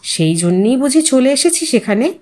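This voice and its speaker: A woman's voice: high voice, very animated, normal speed, mellow. A woman reading a story, voicing an older woman who questions her old friend with sympathy. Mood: suspicious. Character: Sujata, inquisitive older widow, sympathetic old school friend.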